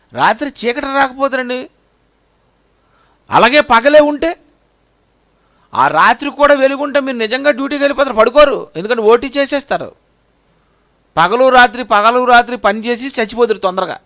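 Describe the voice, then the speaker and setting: A man with a strikingly high voice preaches to his congregation. He repeats phrases over and over and keeps asking his listeners direct questions. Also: a bit bright. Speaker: pastor. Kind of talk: sermon.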